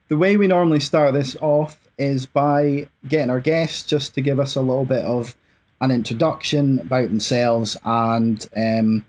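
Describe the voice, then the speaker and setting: A man's voice: mid-range voice, a little mellow. A man hosting a podcast interview, opening the show and introducing the guests. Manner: friendly, scripted opening, slight restarts. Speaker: podcast host.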